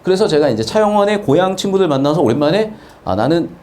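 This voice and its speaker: A male grammar teacher lectures with a high, lively voice that swings widely in pitch. He drills key points by repeating them and keeps checking whether his students understand. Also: fast talker. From South Korea, Changwon.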